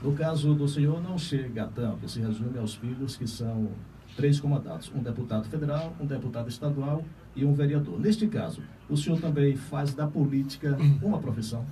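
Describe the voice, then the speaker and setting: Brazilian male interviewer, very dark mellow tone, formal measured questioning, slightly off-mic. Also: mid-range voice, lively intonation. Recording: distant mic, faint background noise.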